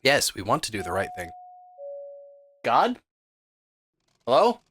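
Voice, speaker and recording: A man's voice: medium pitch, wildly swooping pitch, slow, fairly bright tone, a little hiss or hum. A man streaming a story game, chatting playfully and making jokey asides as he reads. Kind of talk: casual game stream, reading story aloud.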